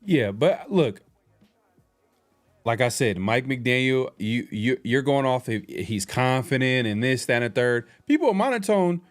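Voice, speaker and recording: Man, mid-pitched voice, sports talk co-host, rambling, skeptical, faint music. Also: sing-song, a little slow.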